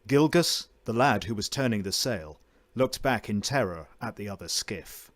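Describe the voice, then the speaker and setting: A man narrates a short story in a fairly low voice. His delivery is theatrical and emphatic, shaped like a voice-over performance. The recording is close and dry, with very little room sound. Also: expressive, normal speed, dry recording. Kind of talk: dramatic fiction narration.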